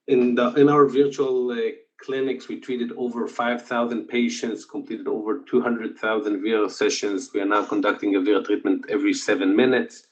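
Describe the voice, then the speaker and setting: Halting Israeli man on a video call. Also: on the low side. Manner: hesitant, many filler sounds. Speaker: conference presenter. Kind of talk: conference presentation. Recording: dull lo-fi video call audio.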